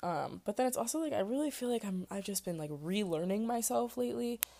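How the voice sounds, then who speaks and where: A woman's fairly high voice at a very fast pace, with very wide pitch swings. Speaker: podcast host; athlete. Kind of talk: solo monologue about personal life. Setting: solo recording, talking to self. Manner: fast talker, trips on words; halting, self-conscious.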